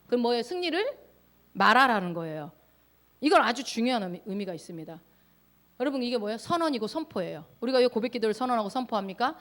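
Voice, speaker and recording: A woman pastor preaching a sermon, emphatic, often putting questions to the congregation. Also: a little high.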